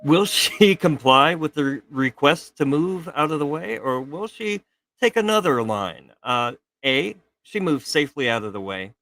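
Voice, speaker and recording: A man's voice: on the high side, lively intonation, unhurried, fairly bright tone. A man hosting a live show, giving casual, joking quiz-style commentary on a video. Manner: playful, joking.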